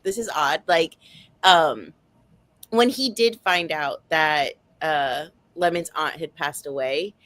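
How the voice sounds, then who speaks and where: A woman's voice: deep voice, takes it slowly, fairly bright tone, dry recording. A woman in a casual book club chat, talking in a rambling way with lots of filler phrases. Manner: rambling, heavy use of like and you know.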